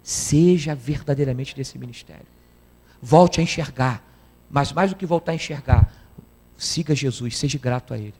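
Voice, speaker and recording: A man's voice: mid-range voice, moderate pace, a little mellow, slightly rough. A man preaching a sermon, emphatic and often calling out to the congregation for an amen. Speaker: guest preacher.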